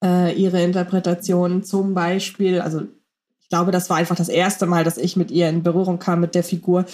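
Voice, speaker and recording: A woman's voice: on the low side, flat delivery, a little fast, a little mellow. A woman co-hosting a podcast, chatting enthusiastically and thinking aloud with fillers. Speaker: podcast co-host. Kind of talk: casual podcast chat about radio plays.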